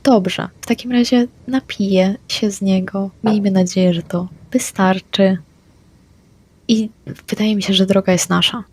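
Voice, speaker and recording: Flat-voiced woman player. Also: mid-range voice, slightly rough. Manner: quick, plain, declares actions. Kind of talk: playing a tabletop vampire game.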